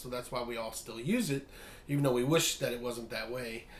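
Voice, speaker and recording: Audible room echo surrounds a man talking at a very fast pace with fairly even intonation. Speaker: musician and YouTuber. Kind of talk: vlog rant. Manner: hesitant, many fillers.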